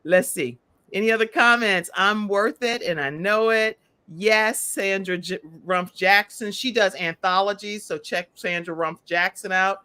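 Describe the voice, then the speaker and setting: A woman's voice: mid-range voice, unhurried, pushed and bright, smooth, no echo. A woman hosting a casual talk show, reading out comments with affirming, teasing exclamations. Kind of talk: casual panel chat, reading viewer comments aloud.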